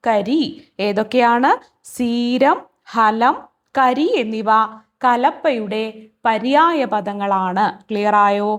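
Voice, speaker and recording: A woman teaching as an exam-prep tutor. She reads each question, then repeats the answer several times. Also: a little high.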